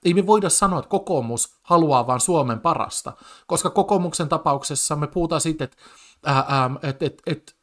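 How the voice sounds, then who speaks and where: A man's voice: on the high side, fairly bright tone. Agitated man ranting over a debate clip. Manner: agitated, full of stammered restarts and fillers. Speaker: commentator reacting to a TV debate clip. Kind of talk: casual spoken commentary.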